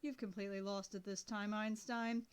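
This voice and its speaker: A woman's voice: medium pitch, steady tone, moderate pace, clean tone, close to an everyday voice. A woman voicing a blunt, skeptical teenage boy in close to her own voice. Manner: dry, incredulous.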